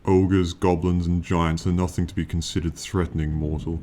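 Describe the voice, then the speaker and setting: A man voicing an ancient, proud male dragon in an ASMR fantasy roleplay, speaking slowly and formally with lofty, condescending yet fond authority. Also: deep voice, level tone, mellow, close to an everyday voice. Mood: proud, warning. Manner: slow, formal, lofty, archaic phrasing.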